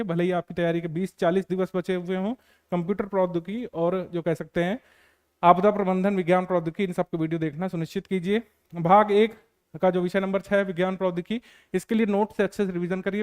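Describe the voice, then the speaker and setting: A male coaching teacher lectures students on exam preparation in an earnest, repetitive way, dotted with filler sounds. His voice sits high and comes across clean and smooth. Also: darkish tone.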